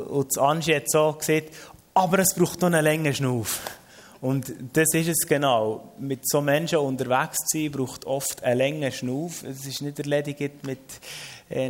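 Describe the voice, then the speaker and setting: A man hosts a faith-based conversation, as the show's preacher. He talks reflectively, thinking aloud with little fillers. His voice sits at an ordinary middle pitch for a man. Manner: reflective, with frequent "äh" and soft "mhm" replies. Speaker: host and preacher. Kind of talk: hosting a faith-based talk.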